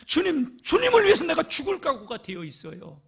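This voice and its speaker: A man preaching, acting out an impulsive, eager male disciple with excited, pleading outbursts. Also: very high-pitched, fairly quick, creaky, voice pushed up, exaggerated voice. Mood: boastful.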